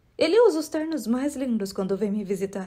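In a Brazilian accent, a woman speaks fairly quickly at a fairly high pitch, her dark, mellow, warm, dramatic tone carried by lively intonation on a very clean recording with a silent background. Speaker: audiobook narrator. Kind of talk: audiobook reading aloud, scripted narration. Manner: warm, chatty, affectionate intro and outro; dramatic first-person narration, tense, biting and sardonic.

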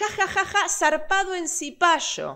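A woman projects her voice in an extremely high, bright, sharp tone with a Rioplatense accent. She speaks at a very slow pace. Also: quiet background. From Argentina. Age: 30s. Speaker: YouTuber. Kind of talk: casual commentary monologue. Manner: animated. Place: home room. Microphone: studio mic.

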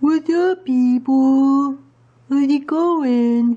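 This is a put-on character voice that sounds female. The pitch is high for a woman. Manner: casual, chatty.

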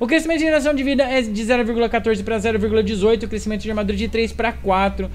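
Speech moves at a fairly quick pace with hardly any pauses. The pitch varies in an ordinary way. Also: man, high pitch for a man. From Brazil. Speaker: gaming youtuber. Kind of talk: patch notes commentary. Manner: animated. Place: home room.

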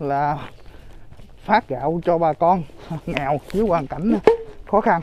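Speaking at a very slow pace with long, frequent pauses and ordinary pitch variation, this voice has a Mekong Delta accent, with a dry, echo-free sound and loud background noise. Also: man, high pitch for a man. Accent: southern Vietnamese (Mekong Delta). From Mekong Delta, An Giang; Vietnam. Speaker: charity vlogger; charity volunteer vlogger. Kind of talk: vlog narration. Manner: casual, halting with fillers. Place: street.

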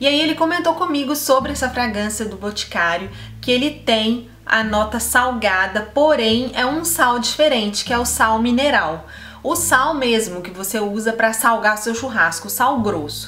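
Music plays in the background as a woman speaks. She keeps a moderate pace with lively intonation. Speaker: beauty reviewer. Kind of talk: casual product review. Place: home room. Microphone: phone near.

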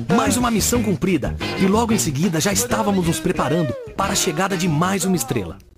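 Very fast male speech with clear music in the background. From Brazil. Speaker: voice-over artist. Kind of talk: corporate video narration. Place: booth. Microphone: studio mic.

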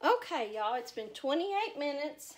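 This voice swings very widely in pitch and speaks with a Southern US accent. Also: woman. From US South. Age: 50s. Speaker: home baking youtuber. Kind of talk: cooking tutorial. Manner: casual and chatty. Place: kitchen. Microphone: phone near.

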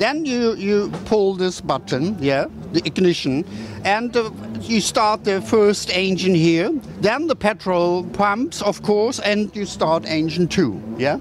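A man's high-pitched voice at a very slow pace, with music in the background. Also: dry sound with no echo. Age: 70s. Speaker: retired race driver. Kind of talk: interview. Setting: outdoors at a motorsport event. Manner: halting. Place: tent. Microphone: handheld.

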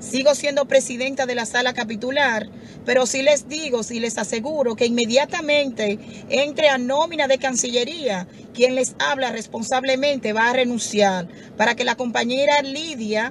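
A woman's high voice at a moderate pace, ordinary pitch variation, dry sound with no echo and light background noise. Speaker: elected local council member. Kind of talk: public statement to the press. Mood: firm, defensive clarification. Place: car. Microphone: phone near.

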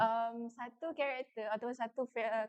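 A woman talks with ordinary pitch variation. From Malaysia, Selangor. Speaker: student guest. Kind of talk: casual film review chat.

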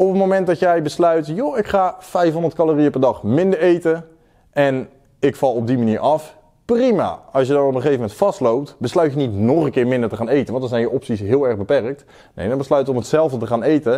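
This man has a dark, mellow tone and a fairly high pitch, with lively intonation. He talks at a fairly quick pace against a quiet background. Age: 20s. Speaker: personal trainer. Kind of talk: tutorial. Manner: casual. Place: gym.

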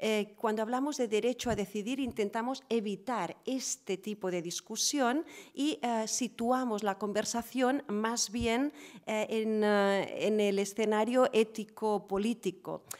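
Against a quiet background, a woman speaks in a plain, everyday voice at a fairly slow pace, with a fairly high pitch and ordinary pitch variation. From Catalonia. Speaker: foundation vice-president; speaker. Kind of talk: panel discussion. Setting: stage with live audience. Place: hall. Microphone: podium.

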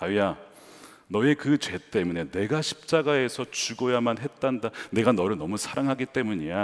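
A moderate pace against a quiet background. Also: man. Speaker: pastor. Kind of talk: sermon. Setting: church. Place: church. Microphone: headset.

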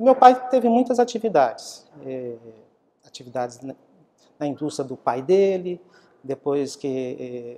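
A man talks with very wide pitch swings. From Goiás, Brazil (Firminópolis); Goiás, Brazil. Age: 50s. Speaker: labor court judge. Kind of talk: oral history interview. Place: office. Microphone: lapel.

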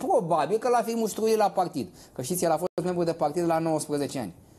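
Here a man speaks at a fairly quick pace, high in pitch with a dark, mellow tone. His intonation is lively. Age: 40s. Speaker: politician. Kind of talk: heated debate. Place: studio. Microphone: lapel.

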